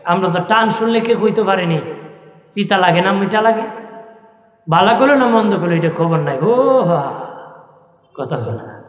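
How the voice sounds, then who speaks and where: Preacher guy, pitch sits a bit high, singsong sermon, booming from far off in a big tent. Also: lively intonation, unhurried, long pauses. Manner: rhythmic, half-sung preaching with rhetorical questions. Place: large open-air tent gathering over loudspeakers. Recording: echoey PA sound from far off.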